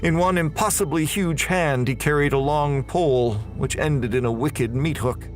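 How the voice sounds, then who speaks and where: A man's voice: a little high, normal speed. Man narrating horror over background music. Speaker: first-person narrator of a horror audio drama. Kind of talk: scripted dramatic horror narration.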